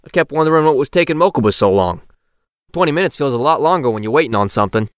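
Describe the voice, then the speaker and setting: An actor playing a haunted, restless young man who recounts events in a halting, slangy way for an audio drama. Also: mid-range voice, lively intonation, smooth, no room sound, clean studio sound, natural voice. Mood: restless, rueful. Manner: colloquial, halting, informal.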